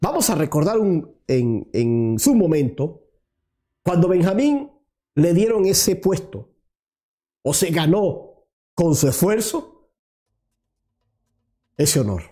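A man in his thirties hosts political commentary from a small studio with a virtual set, wearing a lapel mic. He's combative, aiming rhetorical questions straight at his target, yet his fairly high voice is warm and sing-song, slow and full of pauses.

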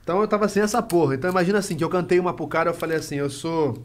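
A young man, a private investigator, telling an animated story as a podcast guest and acting out scenes. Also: high-pitched, racing. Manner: lively, acts out scenes and quotes.

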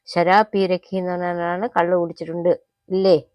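A woman gives a spoken language lesson. She says each phrase slowly, repeats it, and then explains it quickly. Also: on the low side, little pitch movement, no echo, lo-fi sound. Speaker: Hindi teacher.

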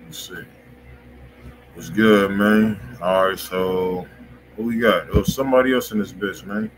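A man's voice: deep voice, steady tone, measured pace. A man hosting a music review livestream with casual, slangy, profane chat. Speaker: music review show host. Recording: clearly noisy room ambience.

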